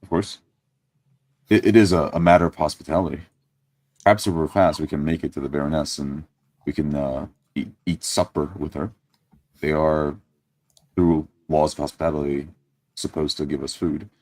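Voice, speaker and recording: A man with an extremely low voice plays a tabletop roleplaying game. He moves between formal, courteous character speech and first-person narration. The sound is dry and close. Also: fairly even intonation, normal speed, pauses often, a little mellow, no room sound.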